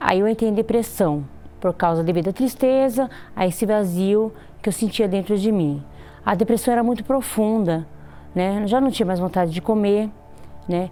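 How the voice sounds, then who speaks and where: A woman talks at a moderate pace and medium pitch, with ordinary pitch variation and a dark, mellow tone. Her loudness stays very even, and she takes long, frequent pauses. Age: 40s. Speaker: church member giving testimony. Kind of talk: testimony.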